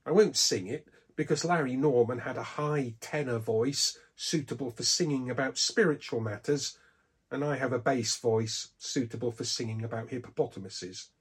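A man giving a scripted devotional Bible talk, telling a story with lively emphasis on key words. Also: mid-range voice, moderate pace, breathy edge.

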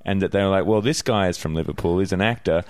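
Male comic guest, dry wit, lowish voice, close dry mic. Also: fast, darkish tone, no room sound. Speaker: guest comedian. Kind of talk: casual comedy podcast chat.

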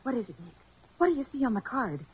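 A woman's voice: fairly high pitch, big pitch swings, fast talker, breathy edge, full character voice. A woman playing an eager, inquisitive detective's assistant with an American accent, in 1940s radio style. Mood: curious. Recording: muffled 1940s radio recording.

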